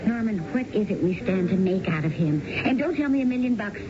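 An American actress playing a shrewd, skeptical con artist's accomplice in a radio drama, sardonic and challenging. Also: female voice, medium pitch, animated, normal speed, natural voice. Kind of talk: 1970s radio drama acting. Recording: dull, noisy old radio recording.

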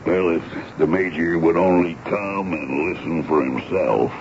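Deep, gravelly army sergeant. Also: male voice, a little slow, a little mellow. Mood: exasperated. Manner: folksy ungrammatical speech, deferential to his superior. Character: gruff, folksy army sergeant, earnest and suspicious. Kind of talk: 1970s radio drama acting. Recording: dull, noisy old radio broadcast recording.

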